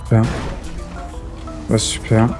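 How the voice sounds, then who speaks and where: A man's voice: takes it slowly, music in the background. A man chatting casually and jokingly in slang as he streams an online roleplay game. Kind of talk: casual gaming banter.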